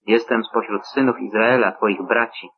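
A man reading the part of a calm, reassuring angel disguised as a young man, in a measured scripture reading over a tinny phone-like line. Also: on the low side, natural voice. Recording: tinny phone-like radio sound.

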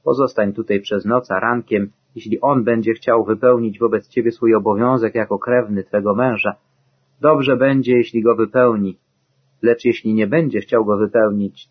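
A man's voice: on the low side, fairly even intonation, moderate pace, breathy edge. Man reading as Boaz, a solemn older landowner. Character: Boaz, older wealthy landowner, kind and firm. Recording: dull lo-fi recording.

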